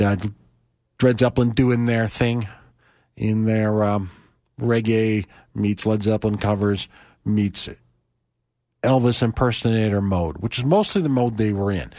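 A man back-announcing tracks on a radio show, his voice hoarse and a little croaky. He talks in a low register, loose and chatty, wandering into asides. The sound is dry and close, with no room around it. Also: a little mellow, no echo.

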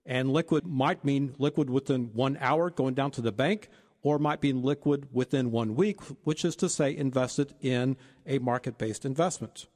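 A man's voice: mid-range voice, normal speed, in a large hall. A man co-hosting a financial advice talk, laying out retirement planning points one by one. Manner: steady explanatory, lists points. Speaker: financial advisor co-host.

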